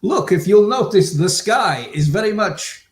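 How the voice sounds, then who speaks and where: A haughty Mongol horseman of the steppes, played by a man in an improv scene, speaking slowly and with grand, lordly mockery. His voice swoops up and down with lively scorn. The sound rings in an echoey room. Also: high-pitched. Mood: mocking. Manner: slow, lordly, mocking.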